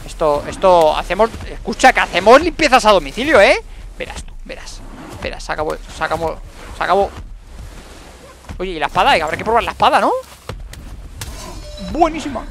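Brief: high-pitched man with a gravelly edge, calling out gameplay in excited repeated bursts, faint game noise behind. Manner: excitable, repeats words in rapid bursts, talks to himself. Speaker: gaming YouTuber. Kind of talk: live gameplay commentary.

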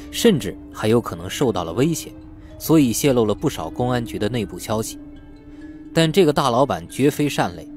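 A man's voice: medium pitch, darkish tone. A man narrating a novel in a scripted audiobook style.

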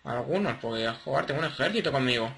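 A man giving casual, excitable gameplay commentary and playfully cooing at his game creatures. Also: mid-range voice, fast, gravelly.

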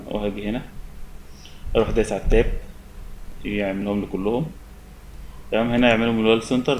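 A young man with an Egyptian Arabic accent giving a relaxed, step-by-step software tutorial at his desk. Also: fairly low pitch, slight background noise, poor audio. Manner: relaxed, step-by-step explaining with many fillers. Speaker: software instructor. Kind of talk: screen-recorded software tutorial.

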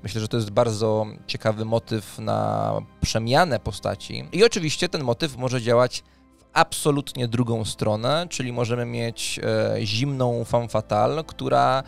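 A man in his thirties co-hosting a podcast discussion, talking haltingly phrase by phrase into a close studio microphone. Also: mid-range voice, steady tone, creaky. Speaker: co-host. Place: indoors, small dim home studio. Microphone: close studio microphone on an arm, headset. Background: music.

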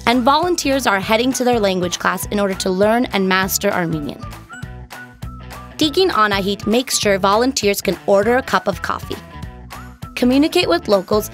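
A woman's voice: mid-range voice, a bit bright. A woman giving scripted narration for a promotional video, with upbeat, lilting emphasis.

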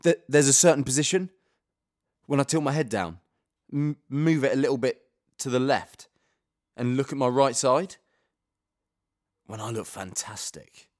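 A male actor playing a vain young man musing over his own looks in a hushed, self-absorbed way. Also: mid-range voice, measured pace, pauses often, no echo, clean studio sound, natural voice. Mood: self-admiring.

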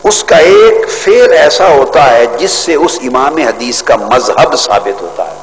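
A man's voice: medium pitch, expressive. Older man lecturing in a stadium. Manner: measured, scholarly, with rising emphatic stretches. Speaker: religious scholar giving a hadith lesson. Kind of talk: formal religious lecture. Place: large outdoor stadium stage. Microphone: podium microphones. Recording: hall echo, faint background noise.

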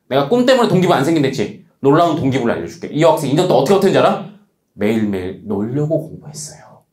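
A man lecturing students as a study coach. He talks bluntly and casually, teasing them with quick rhetorical questions. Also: on the high side, darkish tone, reverberant.

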